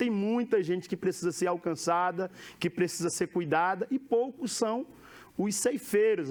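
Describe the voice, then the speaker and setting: A high-pitched man with a Pernambuco accent speaks with lively intonation on a very clean recording with a silent background. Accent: Pernambuco (northeastern Brazilian). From Pernambuco, Brazil (Petrolina). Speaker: missionary pastor. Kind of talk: sermon.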